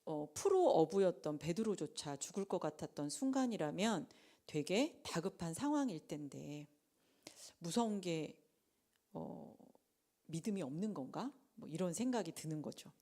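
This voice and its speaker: A woman gives a conversational sermon at a late-night prayer meeting. Her voice sits low and mellow, with a lively, swooping pitch. She voices the people in the story herself and now and then sinks to a whisper to drive a point home. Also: normal speed. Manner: animated, acts out the disciples' and Jesus' lines in dramatized quotes; drops to a whisper for emphasis.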